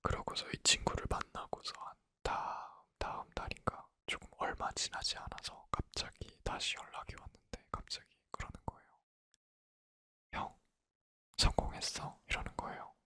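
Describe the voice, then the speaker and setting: A man in his twenties whispering a personal story in a soft, intimate, conversational ASMR style. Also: a little fast, few pauses. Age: 20s. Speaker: ASMR creator.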